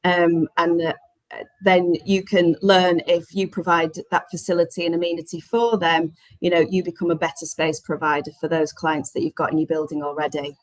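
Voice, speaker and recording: Lower-pitched woman panelist, halting phrasing. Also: flat delivery, no echo, rough recording. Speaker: panelist running a flexible workspace. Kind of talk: webinar panel discussion, unscripted advice.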